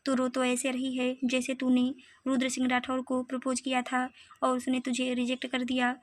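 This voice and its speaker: A teasing young woman pokes fun at her friend in a storybook reading, read by a woman. The voice sits high and stays flat in pitch. It is dry and close to the mic. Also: moderate pace, dry recording, natural voice. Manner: teasing, blunt.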